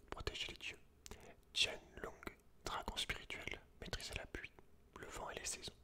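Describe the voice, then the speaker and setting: A man whispering in breathy ASMR style, reading aloud with informal, slangy asides, close to the microphone. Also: sharp tone. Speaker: host of an ASMR channel.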